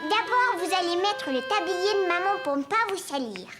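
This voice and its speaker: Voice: extremely high pitch, expressive, normal speed. A performer voicing a curious, eager four-year-old boy with a childlike, earnest manner in a children's cartoon. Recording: loud music behind.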